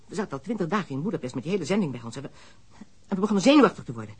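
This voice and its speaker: A brazen, blunt smuggler, played by a man in a radio play, talking fast in a husky, slightly raised voice. He answers the police plainly and without shame, boasting of his own strength. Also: fairly high pitch, sing-song. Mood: tense. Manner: frank, matter-of-fact, shameless. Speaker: suspect. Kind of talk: radio drama acting.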